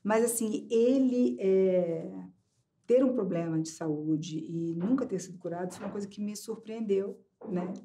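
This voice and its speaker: A woman with a mellow, dark voice answers an interview question. She wanders through her thoughts and keeps checking in with short tag questions. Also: mid-range voice, moderate pace. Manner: rambling, frequent tag questions.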